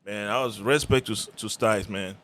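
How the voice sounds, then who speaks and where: A man's voice: lowish voice, moderate pace, a bit bright, a little hiss or hum. A man from Cameroon, a musician guest talking in a friendly, rambling way with many fillers. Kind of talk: casual radio interview. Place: radio studio.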